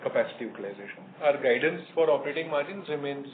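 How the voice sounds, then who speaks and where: A man with an Indian accent answering analysts on an earnings call as a company executive, in a measured, hesitant manner. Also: fairly high pitch. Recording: noisy narrowband phone conference line.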